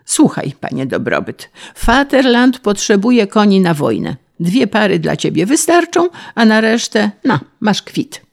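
A woman voicing a bullying, shouting male district official, speaking with contempt. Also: sits high, sing-song, a little slow, vocal fry, hardly any pauses, pitched above the performer's own voice, full character voice. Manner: barking, contemptuous.

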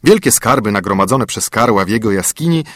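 A man reading a fairy tale aloud with a husky, slightly breathy voice. His pitch moves a lot, giving an expressive storyteller feel, and the sound is dry and close. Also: a little fast, dry recording. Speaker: narrator. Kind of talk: fairy tale audiobook narration.

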